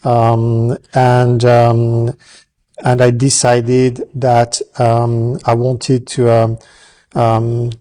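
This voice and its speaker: A middle-aged man with a French accent, talking as an interview guest, pausing often with many fillers and restarts. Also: medium pitch, monotone, mellow, no room sound. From France. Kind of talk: casual interview.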